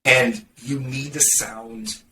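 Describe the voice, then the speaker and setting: A man's voice: medium pitch, fairly even intonation, takes it slowly, sharp tone. A man talking as a podcast guest in casual conversation, sarcastic and snarky, acting out other people's reactions as he talks. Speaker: podcast guest, marketing consultant. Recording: roomy, distant mic with faint background noise.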